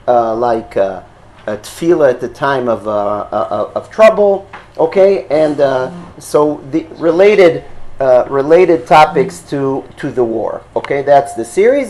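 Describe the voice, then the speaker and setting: A man's voice: mid-range voice, a little mellow, slight background noise. A man from Israel, a native Hebrew speaker, teaching a class in English with an Israeli accent. He explains at length and often stops on fillers and checks with his listeners. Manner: halting, with frequent fillers and checks for understanding. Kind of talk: explanatory lecture.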